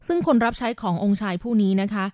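A woman's voice: mid-range voice, lively intonation, fast talker, no echo. Woman radio host, polite, explanatory, studio mic, dry sound. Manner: polite, explains at length, often softens sentences with polite particles. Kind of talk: scripted radio magazine narration.

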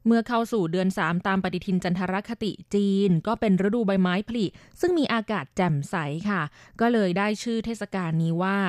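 A woman radio DJ hosting a scripted magazine show, explaining at length in a polite manner with frequent soft polite particles. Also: mid-range voice, brisk, hardly any pauses, no echo, studio quality. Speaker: radio DJ and host.

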